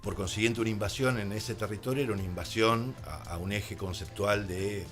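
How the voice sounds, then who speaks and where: An Argentine man speaking as a radio guest, explaining things in an articulate, reflective way with deliberate phrasing. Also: on the low side, a bit bright, faint music behind. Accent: Argentine Spanish. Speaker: radio guest, radio drama creator. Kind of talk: reflective radio interview conversation. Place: radio studio.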